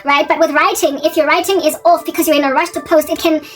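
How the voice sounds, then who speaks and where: A woman's voice: high-pitched, fairly even intonation, fast. A South African woman in her forties, talking through a casual, rambling monologue, often correcting and repeating herself. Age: 40s. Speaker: faith vlogger. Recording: distant mic with background music.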